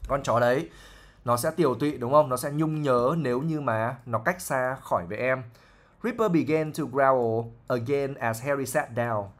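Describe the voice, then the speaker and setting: A man, an English teacher patiently explaining a novel line by line, with fillers and frequent checks for understanding. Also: medium pitch.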